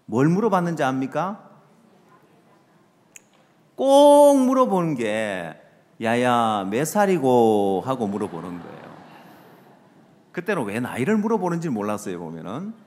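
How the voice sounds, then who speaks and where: Animated pastor preaching in an echoing hall. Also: male voice, unhurried, pauses often. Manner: lively, rhetorical questions to the audience, trails off with low asides. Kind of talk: sermon. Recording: long reverb of a large hall.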